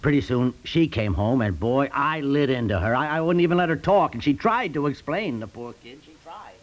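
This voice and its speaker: An actor playing an anxious husband in an old-time radio drama, blustering and remorseful in turn. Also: male voice, medium pitch, expressive, normal speed, muffled recording, a little hiss or hum, close to an everyday voice. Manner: blustering, self-reproaching, rising to indignant shouts.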